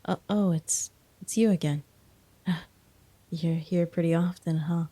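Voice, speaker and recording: A woman playing a flirty, teasing college professor in a soft, breathy ASMR role-play. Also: lowish voice, fairly even intonation, takes it slowly, no room sound. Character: teasing, flirty female college professor, firm but amused.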